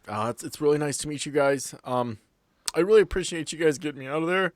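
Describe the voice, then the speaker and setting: A man's voice: fairly high pitch, fast talker, dry recording, studio quality, voice pushed up, close to an everyday voice. A man voicing a middle-aged male scientist in a tabletop game, anxious and politely annoyed, with hesitant, stammering speech. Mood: nervous, earnest.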